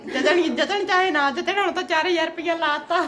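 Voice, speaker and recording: Woman, high-pitched, dramatic exclaiming, plaintive, casual home vlog chat. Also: brisk, fairly bright tone. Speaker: family vlogger.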